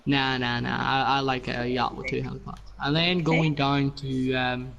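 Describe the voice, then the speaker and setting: A man's voice: mid-range voice, little pitch movement, normal speed, creaky, highs cut off, crowd noise. Man rambling through a casual game tour. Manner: rambling, many fillers and "you know". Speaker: player showing his build.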